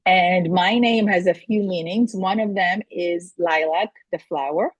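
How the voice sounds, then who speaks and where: A woman's voice: lowish voice, a little slow, no room sound. Earnest Israeli-born woman, middle-aged. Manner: earnest, with frequent restarts and non-native phrasing. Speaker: guest, astrology and feng shui consultant. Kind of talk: interview answers.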